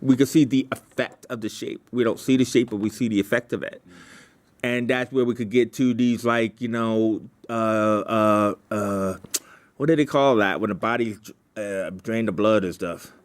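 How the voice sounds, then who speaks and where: A man leading a writers' meeting in casual, halting talk, repeating himself as he thinks aloud and brainstorms. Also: lowish voice, steady tone.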